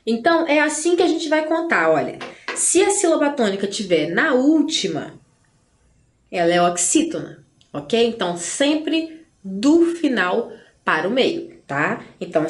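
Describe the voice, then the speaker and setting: A Brazilian woman teacher giving an online grammar lesson in a chatty way, often tagging lines with "né?" and slowing down to stress syllables. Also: on the high side. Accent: Brazilian Portuguese. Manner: chatty, frequent "né?" and "gente" asides. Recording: roomy echo.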